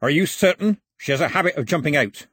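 Man voicing a blunt, wary old-school sea captain, raised pitch. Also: big pitch swings, normal speed, husky, no echo, studio quality. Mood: suspicious. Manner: blunt, folksy, nautical talk. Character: wary, plain-spoken sea captain, dryly deferential.

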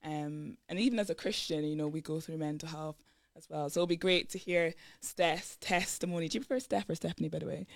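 A woman hosting a casual radio interview, a little croaky from a sore throat. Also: deep voice, fairly even intonation, brisk, no room sound, studio quality. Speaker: radio show host. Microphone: studio microphone.

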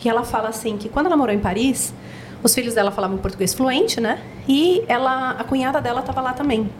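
Brazilian woman podcast guest, fast and bright-voiced, spirited storyteller. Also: fairly high pitch, slight background noise. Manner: animated storyteller, acts out quotes. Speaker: podcast guest, project founder. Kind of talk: casual podcast chat.

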